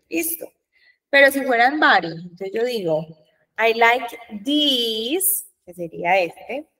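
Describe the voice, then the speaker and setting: Colombian lady teaching english in class, slow and patient, keeps asking "listo?", sounds a bit far from the mic. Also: medium pitch, a bit bright. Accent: Colombian Spanish. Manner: slow, drawn-out model sentences, frequent "¿Listo?" checks. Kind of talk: classroom lesson explaining grammar.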